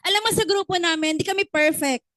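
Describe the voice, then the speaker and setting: A woman's voice: very high-pitched, fast talker, a bit bright, no echo, low-quality recording. A woman giving a motivational business training talk, often asking the audience questions and acting out little stories.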